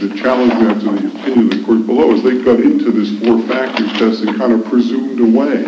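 A man's voice: medium pitch, fairly even intonation, fast. An American man arguing as a lawyer in court, insistent and repeating his points for emphasis. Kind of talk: courtroom oral argument. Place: indoor courtroom. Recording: echoey, muffled courtroom recording, faint noise.

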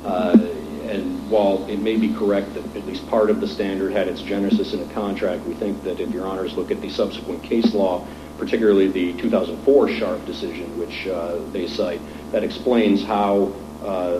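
A man arguing formally as a lawyer in court, in a halting way with drawn-out pauses. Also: low-pitched, steady tone. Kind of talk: formal appellate oral argument. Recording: echoey courtroom with clear noise and hum.

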